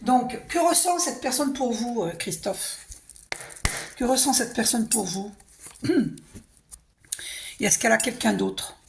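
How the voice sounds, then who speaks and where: Woman card reader, hoarse and throaty, fairly high voice, chatty and reassuring; faint kitchen clatter behind. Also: lively intonation, slow pace, pauses often, background noise. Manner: chatty, reassuring, tag questions like hein and d'accord. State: hoarse, clearing throat and coughing. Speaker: tarot and oracle card reader. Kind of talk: casual spiritual card reading to camera.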